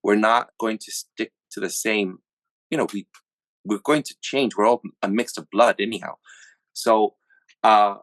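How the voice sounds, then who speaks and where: A man from the USA hosting a podcast, talking through his thoughts in a halting, casual way with many restarts. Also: on the low side, fairly bright tone, dry recording, low-quality recording. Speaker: podcast host. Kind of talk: casual reflective monologue.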